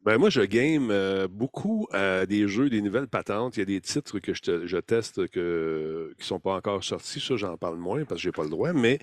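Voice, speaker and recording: A man with a Québécois French accent speaks in a fairly low voice. He rambles casually and with enthusiasm, using plenty of slang. The sound is dry and close, like a podcast. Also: animated, moderate pace, hardly any pauses, no room sound. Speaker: podcast guest talking about video games.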